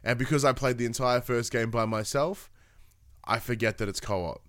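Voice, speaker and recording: A man's voice: mid-range voice, normal speed, fairly bright tone, dry recording, studio quality. A man co-hosting a casual gaming podcast, talking in a rambling, upbeat way with many fillers and restarts. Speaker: podcast co-host.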